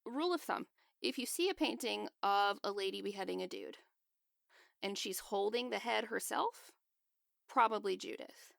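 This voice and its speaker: A woman's voice: mid-range voice, moderate pace, creaky, fairly bright tone, dry recording, clean studio sound. A woman co-hosting a podcast, explaining a topic in a chatty, casual way. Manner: explanatory, chatty, laughs often. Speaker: podcast co-host. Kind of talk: casual chat.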